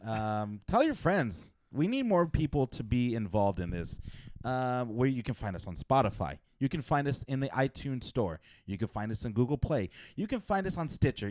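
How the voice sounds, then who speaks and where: A man's voice: medium pitch, a little mellow, dry recording. A man hosting a casual podcast, playfully introducing co-hosts and reading sponsor spots. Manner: playful, hyping up guests, joking. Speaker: podcast host. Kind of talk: casual podcast chat and ad reads.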